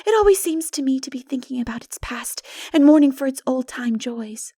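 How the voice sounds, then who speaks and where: A woman's voice: high voice, expressive, fairly quick, mellow, husky, no room sound, clean studio sound, pitched above the performer's own voice. A woman voicing a dreamy, hopeful teenage girl with earnest, lilting expression in an audiobook. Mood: dreamy, wistful. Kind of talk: dramatic audiobook character reading.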